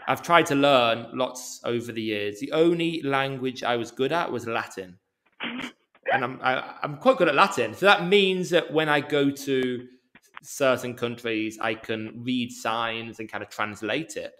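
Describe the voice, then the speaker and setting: A man with a mild Birmingham accent talks through a casual interview at a medium pitch. He speaks deliberately and a touch slowly, picking his words carefully for international listeners. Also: fairly bright tone. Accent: mild Birmingham English. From England. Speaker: yoga teacher, podcast guest.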